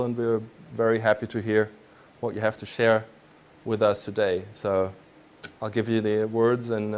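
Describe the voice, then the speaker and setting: A man's voice: lowish voice, a little mellow, clean tone. A man in his forties moderating an event from a studio and introducing the next speaker, with frequent "um" and "uh". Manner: fluent but filler-heavy. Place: television studio.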